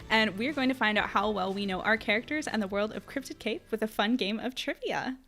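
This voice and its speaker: A woman's voice: medium pitch, a bit bright. A woman hosting a podcast in an upbeat, casual style over an online video call. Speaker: podcast host.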